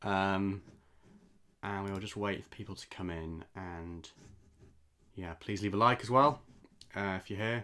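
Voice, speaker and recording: A man speaks in a fairly low pitch. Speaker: live streamer. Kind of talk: casual live stream chat. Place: home room. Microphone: webcam.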